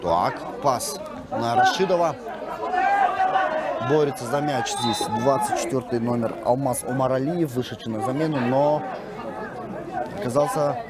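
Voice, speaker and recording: A man giving live play-by-play football commentary from an outdoor stadium. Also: mid-range voice. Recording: loud crowd and outdoor stadium noise. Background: loud crowd and noise.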